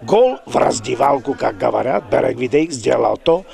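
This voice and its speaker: Excited, gravelly male football commentator. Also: medium pitch. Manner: excited, exclamatory, drawn-out cries. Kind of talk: live bilingual sports commentary.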